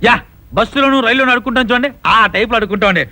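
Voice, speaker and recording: An actor playing a cheeky, scheming beggar who talks breezily. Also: male voice, very high voice, very fast, heavy background noise. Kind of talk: film comedy.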